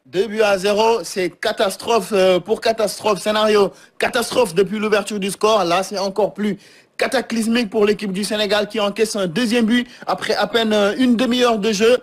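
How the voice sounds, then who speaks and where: Casting: male football co-commentator, high voice, excited sports commentary with match analysis. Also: moderate pace.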